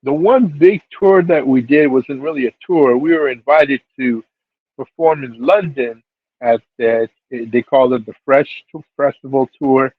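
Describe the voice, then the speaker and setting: A man's voice: medium pitch, no room sound. A middle-aged man from Seattle, talking easygoing and loose, with lots of filler words. He comes through a thin, phone-like line with a dry, close sound. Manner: laid-back, many fillers, voice jumps up for quoted reactions. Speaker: hip-hop DJ and label figure telling his story. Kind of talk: casual storytelling interview.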